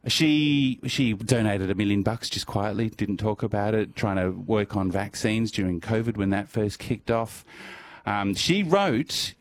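Low-voiced man, rambling on-air chat. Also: unhurried, dry recording. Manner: rambling, enthusiastic, many restarts. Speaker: radio presenter. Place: radio studio.

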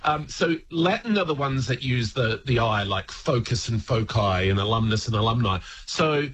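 A man's voice: medium pitch, animated, moderate pace, fairly bright tone, breathy edge, rough recording. A man, a regular word expert on a radio show, chatting casually with lots of ums, restarts and laughs. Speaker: regular language guest on radio.

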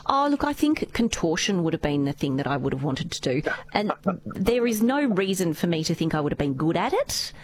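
A woman's voice: on the low side, very animated, fairly quick, few pauses. A woman with an Australian accent hosting a radio show, chatting in a friendly, teasing way. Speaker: radio host. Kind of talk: casual radio chat. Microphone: studio microphone.

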